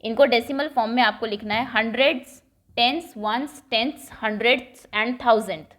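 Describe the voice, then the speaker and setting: A woman teacher walks through a maths lesson at an unhurried, patient pace. Her voice sits a little on the high side, and she keeps checking in with a quick "okay?". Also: a bit bright. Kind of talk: classroom lesson explanation.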